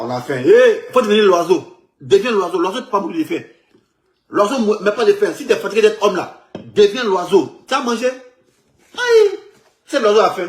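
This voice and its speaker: Fast-talking Ivorian man, echoey room. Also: a little high. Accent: Ivorian French. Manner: animated, repetitive, loops back on his words. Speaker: man in a circulated video clip. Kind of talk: rambling street commentary.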